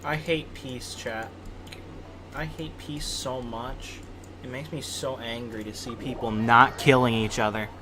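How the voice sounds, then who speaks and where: A man's voice: medium pitch, fairly even intonation, measured pace, crowd noise. A man livestreaming, chatting informally with his viewers in a joking, mock-dramatic way. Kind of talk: casual chat with stream viewers. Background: game music.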